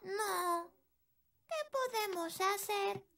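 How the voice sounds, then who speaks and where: A performer voicing an eager young fairy princess girl in a Latin American Spanish cartoon dub, childlike and expressive. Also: very high voice, drawn-out words, gravelly, heavily acted. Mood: worried. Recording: music behind the voice.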